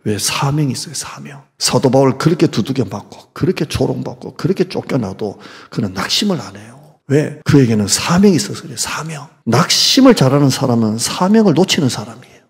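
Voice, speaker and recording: A man delivers a dramatic sermon in a gravelly, husky voice. He drops to hushed asides and rises to loud mocking taunts. His words ring out with the long reverb of a church hall. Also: medium pitch, very animated, a little fast, few pauses. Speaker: pastor. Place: church sanctuary.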